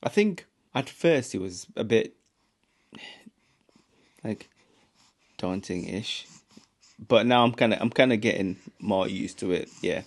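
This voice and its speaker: Halting, easygoing young man. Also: fairly low pitch, animated. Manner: halting, restarts a lot, mellow. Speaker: father, co-host. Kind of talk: casual chat.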